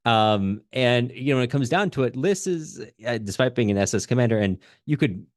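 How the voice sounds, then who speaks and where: A man hosting a podcast, talking through a book in a conversational, halting way as he thinks aloud. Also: medium pitch, expressive, dry recording, studio quality. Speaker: podcast host. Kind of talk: conversational literary discussion.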